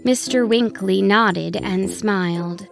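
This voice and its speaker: A woman narrating a scripted children's story in an expressive, deliberate way. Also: mid-range voice, gravelly, over music.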